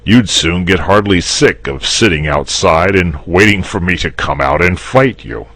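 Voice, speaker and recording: A man's voice: sits low, normal speed, no echo, pitched above the performer's own voice. A man voicing a lazy, fussy male dragon in a storybook reading, speaking coyly and a bit testily. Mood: mild. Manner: wavering, testy, gently pleading.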